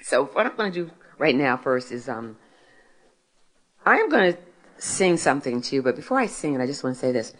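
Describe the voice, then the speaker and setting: A woman's voice: very animated, a little fast. A woman in her sixties from Philadelphia, sharing a faith testimony with an audience, telling stories and asking and answering her own questions. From Philadelphia, United States. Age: 60s. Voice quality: deep voice. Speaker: author and speaker.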